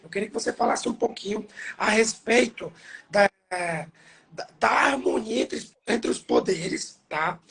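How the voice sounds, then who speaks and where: A man hosting an interview as a nurse, hoarse from losing his voice, talking in an earnest, rambling way with restarts. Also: high voice, lively intonation, measured pace, a bit bright. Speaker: nurse and host. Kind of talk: casual interview talk.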